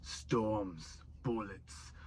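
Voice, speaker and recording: A man's voice: lowish voice, very slow, darkish tone, slight background noise. A man voicing a weary, hardened wasteland wanderer, brooding and stoic, in dramatic voice-over practice. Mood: stoic, sorrowful.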